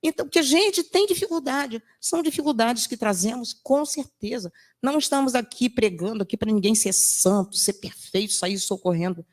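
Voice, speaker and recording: A woman's voice: fairly high pitch, lively intonation, normal speed, few pauses. Older woman giving an emphatic lecture. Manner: emphatic, full of rhetorical questions; storytelling with acted quotes. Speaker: spiritist lecturer. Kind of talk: sermon-like lecture.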